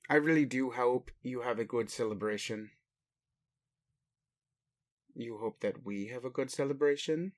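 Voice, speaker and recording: Man playing a slow-talking, doting alien dad. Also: medium pitch, natural voice. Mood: gentle, bemused. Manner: slow, formal phrasing with pauses, addresses listener as human. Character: ancient gruff-but-doting alien father, formal and bemused. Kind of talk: roleplay audio addressed to the listener.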